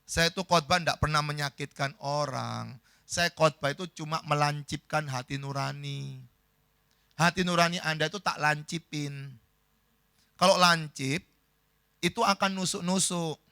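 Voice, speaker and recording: A male pastor, telling a story in a lively sermon and quizzing the congregation. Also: a little high, measured pace, vocal fry, smooth, no echo, studio quality. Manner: lively, asks the congregation questions.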